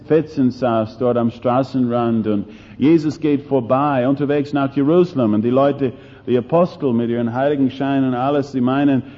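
A male preacher delivers a sermon at an unhurried, deliberate pace, leaning on rhetorical questions. His voice rises into loud emphasis, then drops to hushed asides. The sound is dull and lo-fi, with a long reverb trailing off the walls of a big hall. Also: medium pitch.

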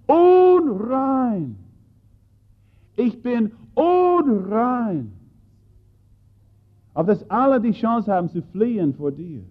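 A man preaching a sermon, swinging between loud bursts and hushed lines and putting questions to his listeners. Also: a little high. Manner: addresses listeners directly with questions. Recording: tinny phone-like audio.

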